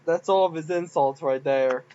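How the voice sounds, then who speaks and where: A man's voice: a little high, normal speed, mellow, highs cut off. A man casually commenting on his own game files, rambling and giggly. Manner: rambling, giggly, self-mocking. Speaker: game modder.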